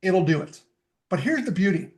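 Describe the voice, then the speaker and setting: A man's voice: high-pitched, big pitch swings, normal speed. A middle-aged man, a guest in a casual podcast interview, explaining tools step by step with enthusiasm. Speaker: fitness technology expert guest.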